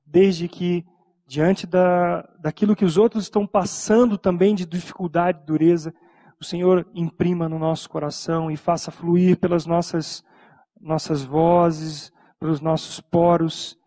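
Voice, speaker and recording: A man's voice: sits high, dark tone. A middle-aged Brazilian man preaching a sermon from a church stage into a handheld microphone, stretching out words for emphasis. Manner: preaching with emphatic, drawn-out phrases. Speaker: pastor. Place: church stage, large indoor hall. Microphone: handheld mic.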